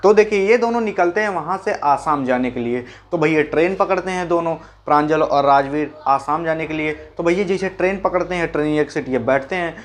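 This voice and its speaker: A man talks through a school chapter like a friendly tutor. His voice sits a little high for a man, and he keeps stopping to quiz himself and answer, calling his listeners brother along the way. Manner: chatty, repeats key points as quick questions and answers; folksy, calls listeners brother and mimics sounds. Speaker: teacher. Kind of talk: casual Hindi lesson explaining a chapter.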